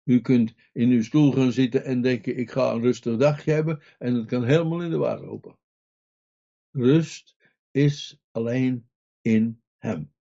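A man's voice: mid-range voice, unhurried, creaky, mellow, highs cut off. A man preaching a sermon earnestly, putting direct questions to his listeners.

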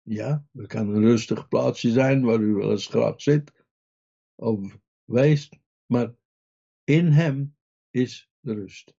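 Slow, husky-voiced male preacher. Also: mid-range voice, mellow, highs cut off. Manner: earnest, asks the listener direct questions. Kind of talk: sermon.

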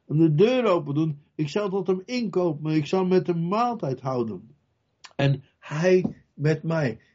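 A man delivers a sermon in a high voice at an unhurried pace. He stresses his points by repeating them and turns often to his listeners with direct questions. The recording sounds a little dull and lo-fi. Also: lively intonation. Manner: emphatic, repeats key phrases, acts out Bible scenes with loud cries. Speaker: preacher.

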